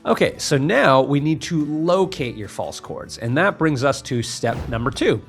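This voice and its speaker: A man's voice: fairly high pitch, lively intonation, a little slow, soft background music. A man giving an instructional tutorial as a vocal coach, explaining emphatically step by step.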